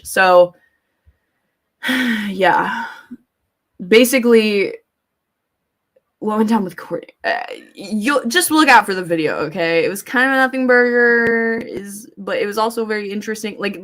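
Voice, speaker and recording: A woman with a medium-pitched voice talks casually as the host of a livestream. She rambles and thinks aloud, reacting as she goes. Her language is blunt and informal, with plenty of swearing. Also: fairly bright tone. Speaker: live streamer, host. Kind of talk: casual livestream chat, commentary, reading viewer comments aloud.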